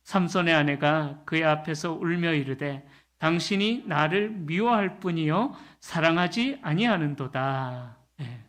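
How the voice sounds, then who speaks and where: 중년 남자 목사가 금요기도회에서 회중에게 자주 동의를 구하며 대화하듯 유머를 섞어 설교한다. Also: male voice, fairly high pitch, a bit bright. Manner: conversational, asks the congregation for agreement; humorous, acts out quoted lines. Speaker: pastor. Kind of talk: Friday prayer meeting sermon.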